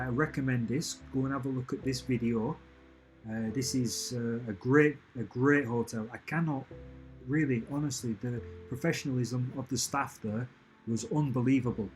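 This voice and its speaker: Man, casual live-stream host, rambling and upbeat, mid pitch, music behind. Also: darkish tone, rough recording. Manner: rambling, restarts sentences, chatty and upbeat. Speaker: channel host answering live questions. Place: at home with family and a cat nearby.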